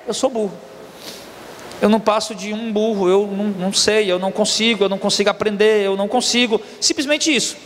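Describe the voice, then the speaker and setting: A man's voice: sits high, a little fast, fairly bright tone, in a large hall, slight background noise. A Brazilian man in his forties preaching a sermon as a pastor, emphatic and repetitive, calling his listeners brothers. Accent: Brazilian Portuguese. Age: 40s. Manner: emphatic preaching, repeats key words, addresses listeners as brothers.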